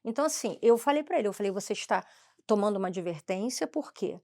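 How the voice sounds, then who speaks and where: A woman's voice: medium pitch, lively intonation, quick pace, darkish tone. A woman with a Brazilian Portuguese accent, a former school principal, telling a story in conversation and acting out the dialogue with shifting voices.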